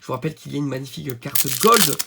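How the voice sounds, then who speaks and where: A man with a hoarse voice from a cold, chatting casually as he opens trading card packs for his channel. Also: mid-range voice, very fast, background noise. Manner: chatty, many fillers, excited at good pulls. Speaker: channel host. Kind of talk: card unboxing commentary.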